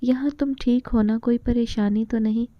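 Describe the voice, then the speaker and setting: A woman reading the lines of a calm, affectionate older uncle in a storybook, with a slightly dull recording. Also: on the high side, normal speed, dry recording, lightly acted. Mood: kind. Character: kindly older uncle, father of four daughters.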